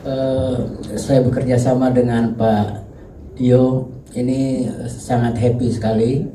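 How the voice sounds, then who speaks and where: Slow-talking Sundanese-accented man. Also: medium pitch, flat delivery, warm tone. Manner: halting, slow, chuckling. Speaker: actor at a press conference. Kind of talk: press conference answers. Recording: distant echoey room, noisy.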